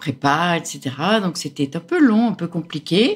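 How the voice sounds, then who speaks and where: Over a silent background on a very clean recording, a woman speaks very slowly in a fairly low pitch with lively intonation. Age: 60s. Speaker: widowed retiree hosting students. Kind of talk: interview. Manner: hesitant with fillers.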